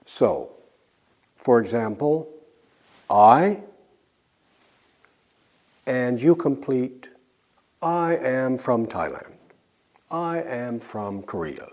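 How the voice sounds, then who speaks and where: A man teaching an English lesson, drilling example sentences slowly and clearly with pauses for learners to answer. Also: mid-range voice, very animated, darkish tone. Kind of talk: slow scripted language lesson.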